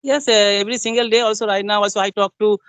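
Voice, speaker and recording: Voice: medium pitch, fairly even intonation, fairly bright tone, smooth, no room sound. An English learner from West Bengal with a Bengali accent, whose mother tongue is Bengali, asking questions in a casual practice chat with many fillers. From West Bengal, India. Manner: quick, repetitive affirmations with filler-heavy phrasing. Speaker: English learner interviewing a trainer.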